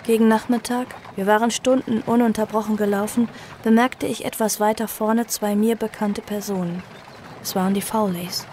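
A woman playing a young survivor who tells her own story in an audio drama, earnest, sorrowful and measured. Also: medium pitch, steady tone, dark tone, a little hiss or hum, natural voice. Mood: measured, wistful. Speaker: narrator and protagonist. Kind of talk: audio drama first-person narration.

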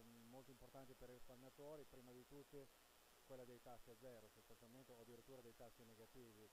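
Middle-aged male executive, measured and businesslike, handheld mic at a noisy trade fair with hiss. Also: medium pitch. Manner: measured, businesslike, with frequent fillers. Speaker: sales director of an asset manager. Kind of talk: trade-fair interview answers. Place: busy trade-fair stand indoors. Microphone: handheld interviewer mic held close. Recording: audible hiss and background noise.

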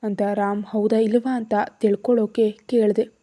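Woman narrator, earnest first-person storytelling, warm mellow tone. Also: medium pitch, flat delivery, moderate pace.

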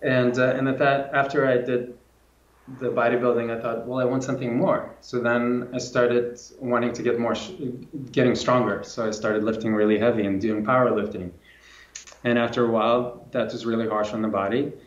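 A man's voice: medium pitch, little pitch movement, normal speed. A man in his forties from Lithuania, a coach telling his story reflectively in an interview over a video call. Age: 40s. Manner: reflective, many restarts and repeats. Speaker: guest, movement and strength coach. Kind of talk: casual interview talk. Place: home room with plants and guitar, indoors. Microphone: video call, camera at a distance. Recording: roomy, dull video call audio.

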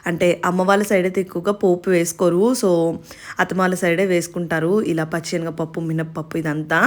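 A young adult Indian woman, narrating a casual home vlog in a chatty, explanatory way and addressing viewers directly. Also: fairly low pitch. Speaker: home vlogger.

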